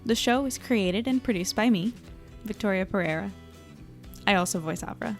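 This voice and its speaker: A woman's voice: medium pitch, moderate pace. Podcast host lady doing scripted outro credits, light music behind her.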